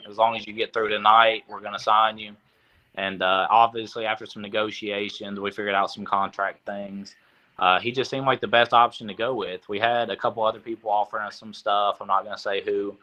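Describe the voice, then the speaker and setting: A young man from Tennessee, a boxer, answering interview questions in a relaxed way with lots of fillers. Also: fairly low pitch. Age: young adult. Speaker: boxer, guest.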